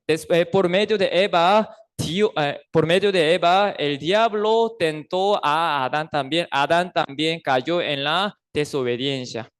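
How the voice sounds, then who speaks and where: A Costa Rican pastor preaching to his church in a high, smooth voice. He keeps checking in with rhetorical questions to the congregation. Now and then he raises his voice to play the people in his stories. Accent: Costa Rican Spanish. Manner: acts out quoted figures in a raised voice. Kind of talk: sermon.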